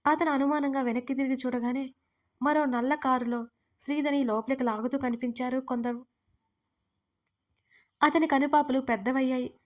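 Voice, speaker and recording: High-voiced woman narrating a story. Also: fairly even intonation, normal speed, long pauses. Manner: reads all characters' lines with little change of voice.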